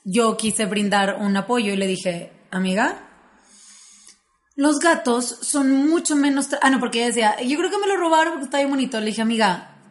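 A young woman from Monterrey with a northern Mexican accent, co-hosting a comedy podcast with playful, deadpan jokes. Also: fairly high pitch, normal speed. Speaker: podcast co-host. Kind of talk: casual comedic chat.

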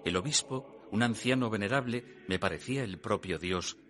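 An actor playing a pious priest who recounts his youth in solemn, measured, literary radio theatre narration. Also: on the low side, a bit bright, close to an everyday voice. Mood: solemn reminiscence. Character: pious male priest recalling his innocent youth and temptation. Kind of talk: dramatic first-person radio theatre narration. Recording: music under the voice. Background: music.

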